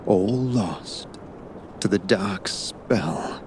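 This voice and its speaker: A man playing a silky, sinister storyteller, narrating a hypnotic dark fairy tale with theatrical, lingering words. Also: deep voice, expressive, extremely slow, noisy background, full character voice. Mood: hushed, ominous. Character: sinister, silky storyteller lulling a traveler to sleep. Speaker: bedtime storyteller.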